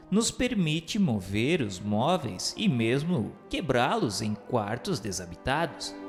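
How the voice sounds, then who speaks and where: A Brazilian man narrates a radio serial in a solemn, declamatory style. His delivery is slow and deliberate, with emphatic pauses. His voice rings in a long hall-like reverb, with music playing behind it. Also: mid-range voice. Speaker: narrator reading a spiritist text for a radio serial. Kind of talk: solemn dramatized scripted reading.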